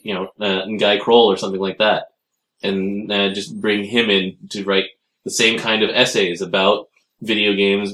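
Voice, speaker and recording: Man, low voice, casual rambling podcast talk, roomy home recording. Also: fairly bright tone. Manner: rambling, reflective, trails off with fillers. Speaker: podcast co-host. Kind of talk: casual chat.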